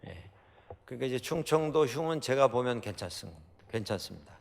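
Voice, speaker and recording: A man's voice: medium pitch, lively intonation, brisk, vocal fry. A middle-aged Korean man from Chungcheong preaching a sermon as pastor, telling stories with many fillers and rhetorical questions. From South Korea. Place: church sanctuary. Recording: hall reverb.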